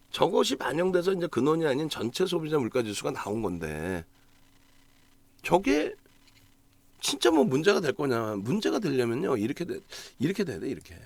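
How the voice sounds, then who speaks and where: A man's voice: fairly high pitch, dry recording. A man giving a solo stock market analysis broadcast, talking emphatically, asking himself rhetorical questions and checking in with the audience.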